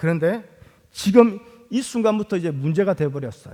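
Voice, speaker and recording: A man talks at a moderate pace in a high voice. His tone is dark and mellow, with very wide pitch swings. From South Korea, Gyeongsang province. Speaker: pastor. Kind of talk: sermon.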